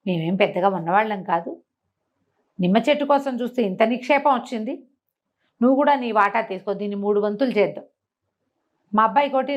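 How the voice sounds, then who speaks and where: A kindly old farmer from a village folk tale, voiced by a woman. He talks in a homely way, generous and grateful, in a fairly high voice. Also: close to an everyday voice.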